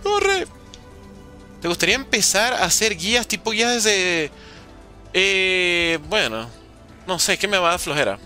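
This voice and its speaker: Young male streamer, bright lively voice fairly high, jokey chat-reading commentary, faint game music behind. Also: moderate pace. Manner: joking, reads chat questions aloud and answers playfully. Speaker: gaming streamer.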